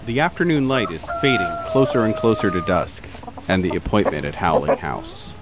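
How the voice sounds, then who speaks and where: A man's voice: low voice, big pitch swings, moderate pace, loud music behind the voice. A man narrating a tabletop horror game dramatically in the second person as game master.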